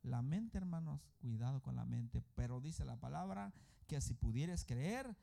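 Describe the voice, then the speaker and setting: A man preaching a sermon as pastor, emphatic and swinging between loud and soft as he keeps calling out to his congregation. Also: medium pitch, animated, unhurried, creaky.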